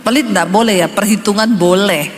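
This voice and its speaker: A woman's voice: medium pitch, moderate pace. A woman pastor preaching a sermon in an emphatic, conversational way, telling her testimony to the congregation. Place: church hall. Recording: reverberant church hall, faint noise.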